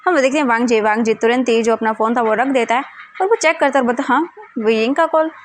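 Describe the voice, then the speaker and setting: A woman's voice: a little high, quick pace, slight background noise. A woman casually retelling a fan fiction story in a chatty way. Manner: chatty, retells scenes with many quotes.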